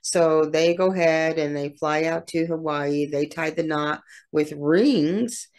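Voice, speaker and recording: A woman's voice: low-pitched, slow, a little mellow. A woman hosting a true crime channel, retelling a case in a casual, chatty way with slang, fillers and acted-out quotes.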